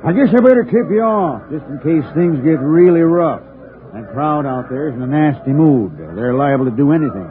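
An actor playing a tough middle-aged police chief in a 1940s radio drama, blunt and matter-of-fact. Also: male voice, on the high side, big pitch swings, normal speed, a little hiss or hum. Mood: stern. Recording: tinny old radio broadcast.

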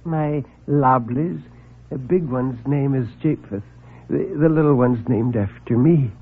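A man voicing a tiny, nervous, apologetic man who hesitates and stammers softly. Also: medium pitch, a little slow, slightly rough, narrow, tinny audio, pitched above the performer's own voice. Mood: timid.

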